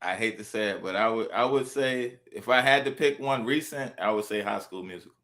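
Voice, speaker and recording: A man's voice: lowish voice, brisk, fairly bright tone. A man hosting a casual interview, laid-back and upbeat, using slang. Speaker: interview host.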